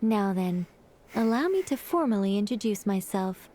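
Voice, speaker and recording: A woman's voice: medium pitch, lively intonation, normal speed, dark tone, lightly acted. A woman voicing a reserved witch in a video game who speaks formally and turns flustered when embarrassed.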